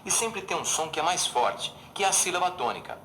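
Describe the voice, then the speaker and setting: A man's voice: on the high side, lively intonation, brisk, background noise. A man with a Brazilian accent giving scripted educational narration in a didactic way. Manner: didactic, clear examples. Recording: voice-over over loud music.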